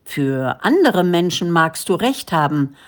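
A woman's voice: lowish voice, very animated, a little slow. Woman reading a defiant villager man. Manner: stubborn, self-assured. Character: defiant male villager, content with his life.

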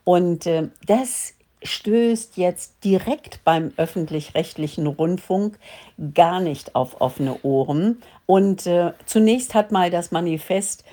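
A woman hosts a political talk show with a somewhat low, dark, mellow voice. She talks in a sarcastic, mocking tone. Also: takes it slowly. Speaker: host.

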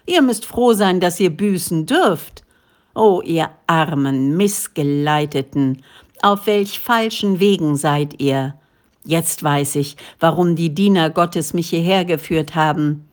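A woman's voice: low voice, slow pace. A woman reading the part of an earnest male prophet who speaks in a solemn, preaching way. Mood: impassioned.

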